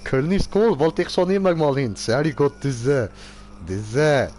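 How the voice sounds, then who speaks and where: A man's voice: on the high side, expressive, slow pace, a little mellow, slight background noise. A man giving casual live gaming commentary in clownish, slangy broken grammar, as a streamer. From Switzerland. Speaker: game streamer.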